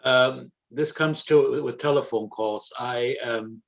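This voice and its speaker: A man's voice: medium pitch, slow, creaky, a bit bright. Older man. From Germany or German-speaking Europe. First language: German. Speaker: class participant. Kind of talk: casual anecdote and comment. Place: online video call.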